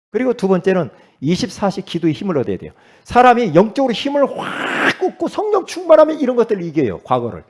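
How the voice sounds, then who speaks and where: A middle-aged male pastor delivers an emphatic sermon, swinging between loud exclamations and quiet asides while quizzing his congregation.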